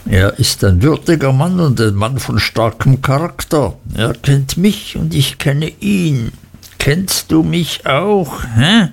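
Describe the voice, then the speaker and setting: Male narrator as storybook schoolmaster, wrathful, domineering, self-important, slow, gravelly. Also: medium pitch, lively intonation, full character voice. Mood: sneering menace. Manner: whispering menace, snapping "hä?" tags, repetitive self-important boasts. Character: cruel, wrathful old schoolmaster, menacing and domineering.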